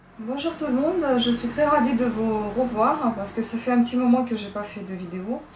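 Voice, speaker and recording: A woman's high voice at a moderate pace, with ordinary pitch variation, hardly any pauses, audible room echo and noticeable background noise. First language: Russian (speaking French). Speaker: craft YouTuber. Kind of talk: casual vlog announcement. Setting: at home, window open. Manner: hesitant, many fillers.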